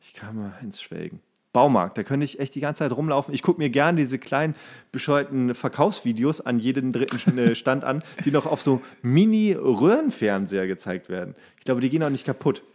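A man's voice: mid-range voice, lively intonation, a little fast, darkish tone. A man co-hosting a podcast, rambling enthusiastically in casual, slangy, comedic chat. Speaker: podcast co-host.

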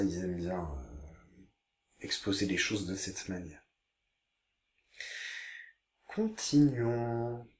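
A man teaching Latin online, reading Latin phrases slowly and carefully before translating them. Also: mid-range voice, a little mellow, echoey room, a little hiss or hum. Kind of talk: online language lesson.

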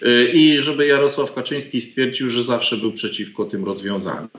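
A man's voice: mid-range voice, normal speed, a bit bright. A middle-aged man, a professor, speaking as a guest on a political video call from his home study, hesitant with many filler sounds and indignant in tone. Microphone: video call webcam. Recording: roomy, dull lo-fi call audio.

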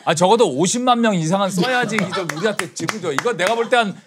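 A man's voice: sits high, quick pace, crowd noise. A middle-aged man in casual group chat, playful and teasing, laughing often. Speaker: regular cast member.

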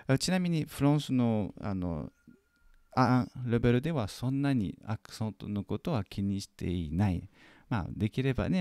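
A man teaching French in a lesson video, patiently correcting a student's homework and repeating French phrases slowly and carefully. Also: on the low side, dark tone, no echo.

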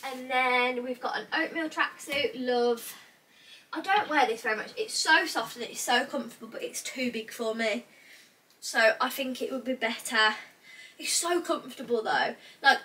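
A bright, fairly high-voiced young woman with a British accent chats away as she sorts her wardrobe, nasal and a bit stuffed up from a cold. She rambles in a relaxed, thinking-aloud way. The camera sits across a small bedroom, so she sounds slightly distant, with a faint hiss behind her. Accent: British English. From England. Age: young adult. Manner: chatty, thinks out loud, frequent "like". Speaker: vlogger. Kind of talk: casual chat to camera. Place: small cluttered bedroom wardrobe room indoors. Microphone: camera across the room. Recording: distant mic, faint noise.

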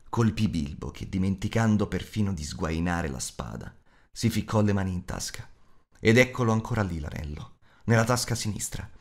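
Brief: male audiobook narrator, lower register, expressive and carefully paced storytelling. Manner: expressive storytelling, measured phrasing.

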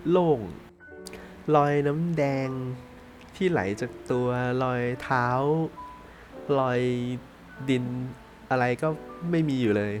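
A man narrating a ghost story in a casual, chatty podcast style, dropping to hushed tones for suspense. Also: mid-range voice.

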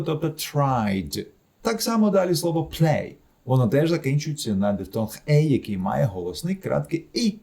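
Man teaching a lively pronunciation lesson. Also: mid-range voice, vocal fry. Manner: explaining patiently, repeating word examples in drills. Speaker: English teacher. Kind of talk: recorded grammar lesson.

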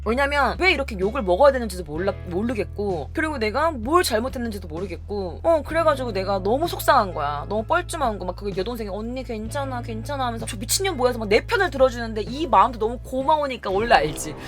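Woman, casual storytelling, lively swooping pitch, quick delivery, faint music behind. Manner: animated, acts out quoted dialogue. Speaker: storytelling YouTuber.

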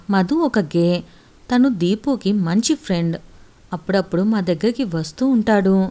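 A woman's voice: fairly low pitch, mellow, natural voice. A woman voicing a devoted young husband who firmly defends his wife in a storybook tale. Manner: earnest, firm.

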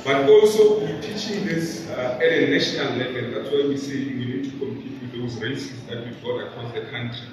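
A middle-aged man presenting at a podium in a large indoor mall venue, with a halting delivery full of fillers and repeated words. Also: medium pitch, a crowd in the background. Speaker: event organizer presenting at a launch. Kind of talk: public presentation speech. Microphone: podium microphone. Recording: echoey hall recorded from far off.

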